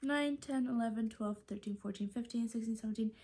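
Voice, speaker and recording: A woman's voice: fairly high pitch, brisk, mellow. A woman whose first language is Spanish, chatting casually about a stack of new books and filling her talk with "like" and "so". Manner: chatty, fills with "like" and "so". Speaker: book vlogger. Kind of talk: casual book haul chat.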